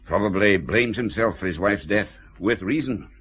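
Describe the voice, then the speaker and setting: An actor playing a weary, sardonic senior police chief in a radio drama, grumbling with dry authority. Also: male voice, lowish voice, lively intonation, moderate pace, fairly bright tone, slightly rough. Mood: stern. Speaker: head of CID, senior police officer.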